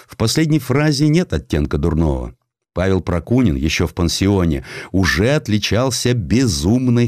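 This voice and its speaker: Male audiobook narrator, very low register, lively intonation, theatrical pauses, dry studio sound. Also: no echo. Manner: theatrical, expressive delivery with dramatic pauses. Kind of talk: dramatized storytelling, scripted narration of a historical sketch.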